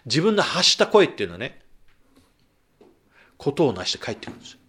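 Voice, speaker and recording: A man's voice: on the high side, big pitch swings, fast, fairly bright tone, slightly rough. A male pastor giving a sermon in a conversational manner, asking the congregation questions and rising to emphatic bursts.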